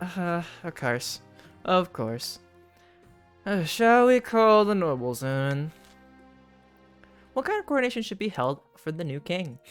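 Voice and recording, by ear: A nasal, put-on character voice at middle pitch, fairly slow with long, frequent pauses, faint music behind it.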